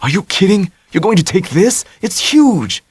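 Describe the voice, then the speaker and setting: A man's voice: medium pitch, lively intonation, normal speed, no echo, pitched above the performer's own voice, lightly acted. A man voicing a cautious young man who sounds worried and exasperated.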